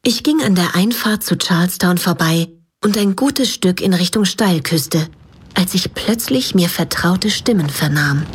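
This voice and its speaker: A woman playing an observant carer who narrates a radio drama in a measured, formal, literary way. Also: fairly low pitch, expressive, slightly rough, heavily acted. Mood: composed. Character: composed, observant female carer recounting her memories. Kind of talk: scripted first-person narration in radio drama.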